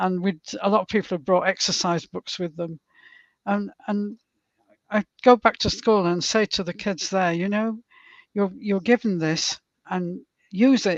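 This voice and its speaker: In a strong Yorkshire accent, a woman talks at a fairly slow pace and medium pitch. The sound is dry and close with no echo, over a quiet background. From northern England, Yorkshire (Leeds). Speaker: guest of spirituality community chat. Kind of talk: casual interview conversation. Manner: hesitant, frequent fillers.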